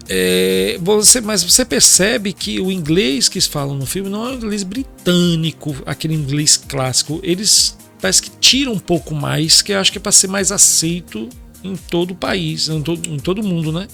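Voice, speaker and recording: A man's voice: sits high, expressive, moderate pace, gravelly, sharp tone, faint music behind. A Brazilian man hosting a podcast, chatting casually and asking his guests lots of questions. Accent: Brazilian Portuguese. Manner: chatty, asks many questions. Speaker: podcast host. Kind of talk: casual chat.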